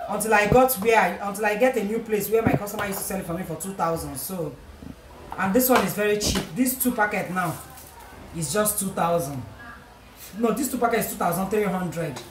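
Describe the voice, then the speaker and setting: Chatty Nigerian mom vlogging at home. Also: female voice, medium pitch, a little fast. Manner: chatty, repeats herself, playful bursts of self-praise. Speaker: vlogger and mother. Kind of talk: casual home vlog narration. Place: small home kitchen indoors. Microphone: camera on tripod. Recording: noisy home camera recording.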